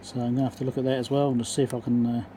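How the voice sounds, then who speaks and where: A man's voice: medium pitch, flat delivery, racing, mellow, a little hiss or hum. A man with a New Zealand accent giving a casual, unscripted, matter-of-fact walkthrough as he works at an indoor bench. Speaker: electronics repairer presenting his work. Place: indoor workbench.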